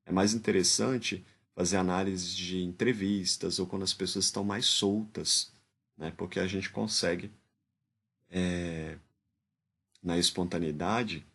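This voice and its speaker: Low gravelly man with a Brazilian accent. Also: steady tone, a little slow, a bit bright. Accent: Brazilian Portuguese. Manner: hesitant, restarts often, keeps adding tag questions. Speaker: discourse analysis commentator. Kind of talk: informal spoken commentary.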